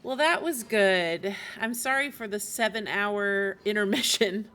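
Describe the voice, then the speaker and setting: This woman's mid-range voice is pushed and bright, and her pace is measured. Over video game music, she chats informally during a live stream of her game, wandering from thought to thought as she thinks aloud.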